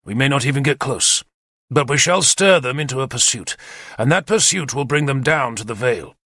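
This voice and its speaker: A man voicing a confident, energetic male war leader who lays out battle plans decisively. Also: medium pitch, a little fast, dry recording, clean studio sound, voice pushed up. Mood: commanding. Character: bold confident male warlord commander.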